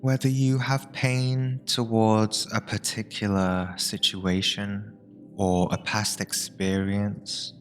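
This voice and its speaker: A man with a fairly low voice guides a meditation, talking very slowly and soothingly in short phrases separated by long pauses. Meditation music with binaural tones plays behind him.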